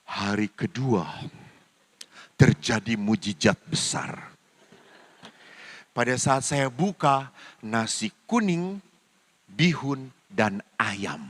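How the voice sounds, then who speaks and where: A man's voice: medium pitch, lively intonation, slow pace, long pauses. An older man, a Catholic priest, preaching a humorous sermon and acting out the dialogue in his stories. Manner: storytelling, mimics dialogue with voice changes. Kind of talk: humorous sermon with acted anecdotes. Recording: reverberant hall sound.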